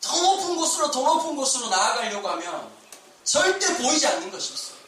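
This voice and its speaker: A man's voice: very high-pitched, brisk, a little hiss or hum. A male pastor giving a sermon, telling stories and acting out quotes with animation. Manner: animated storytelling with acted-out quotes. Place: church sanctuary. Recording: echoey church hall, mic at a distance.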